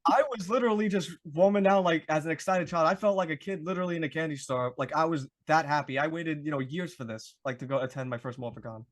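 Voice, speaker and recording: A man with a New York accent hosts the conversation in a fairly high voice. He sounds eager and gushing, packing his questions with "like" and "you know". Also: fast talker, hardly any pauses. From Brooklyn, New York. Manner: eager, gushing, heavy use of "like". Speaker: podcast host. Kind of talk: casual interview chat.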